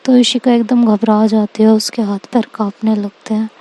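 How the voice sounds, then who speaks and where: A woman telling a love story casually, linking each sentence with a relaxed "so". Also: a little high, normal speed, low-quality recording. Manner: conversational, links every sentence with "to".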